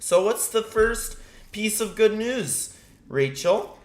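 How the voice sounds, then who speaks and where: A man's voice: high-pitched, animated, takes it slowly. A man hosting a casual live morning show, talking in a laid-back way and swearing casually. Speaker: host. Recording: echoey room.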